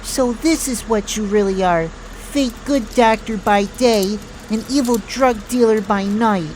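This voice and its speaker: A woman's voice: on the high side, unhurried, darkish tone, slight background noise, close to an everyday voice, poor audio. A woman playing a defiant, outraged kidnapped heroine in an audio drama, melodramatic and indignant.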